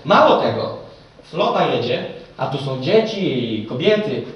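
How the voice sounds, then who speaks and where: A man's voice: medium pitch, measured pace, highs cut off. Fervent young male preacher in an echoey hall. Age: young adult. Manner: fervent, swings from loud excited storytelling to hushed intimate tones. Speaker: evangelist preacher. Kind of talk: sermon. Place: church hall with audience. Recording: very echoey hall, speaker far from mic.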